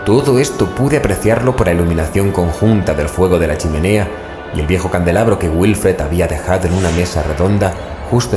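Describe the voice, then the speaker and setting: Man as low-voiced brooding horror narrator, echoey. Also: close to an everyday voice. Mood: measured, atmospheric. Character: male investigator narrating an eerie tale, uneasy. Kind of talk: scripted horror audio drama narration. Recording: echoey, music under voice.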